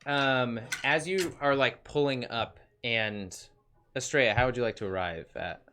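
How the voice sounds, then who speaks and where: A man's voice: mid-range voice, a little slow, pushed and bright, a little hiss or hum. A man narrating a tabletop role-playing game as game master, filling his descriptions with ums and likes. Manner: hesitant, many ums and likes.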